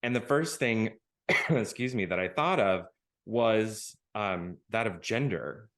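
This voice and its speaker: A man's voice: on the low side, slow, a bit bright. A man hosting a podcast, from rural Iowa, talking in a thoughtful, hesitant way with many fillers. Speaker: podcast host. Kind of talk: casual interview conversation.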